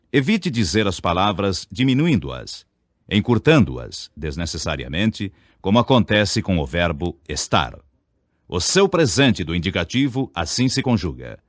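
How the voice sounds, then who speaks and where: Deliberate Brazilian man teaching diction. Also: deep voice, no echo, clean studio sound. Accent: Brazilian Portuguese. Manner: deliberate, over-enunciates example words. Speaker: speech teacher. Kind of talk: scripted lesson narration.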